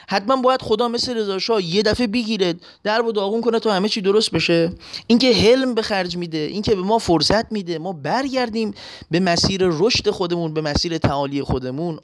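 A male preacher giving a sermon, animated and storytelling, slipping into voices for his anecdotes. His voice sits fairly high and moves a lot in pitch.

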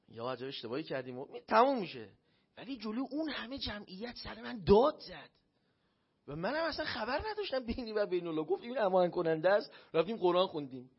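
His voice sits high and husky as he preaches in a shrine hall, weaving a personal story into the sermon and voicing the people he quotes. The recording sounds dull and lo-fi.

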